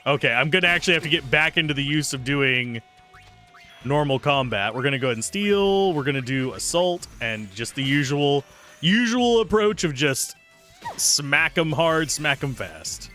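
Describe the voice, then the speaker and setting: A young man commenting casually on a game he is streaming, chatty and jokey, with a slightly raspy voice. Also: a little high, lively intonation, moderate pace, sharp tone, soft background music. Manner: chatty, jokey, reacts aloud.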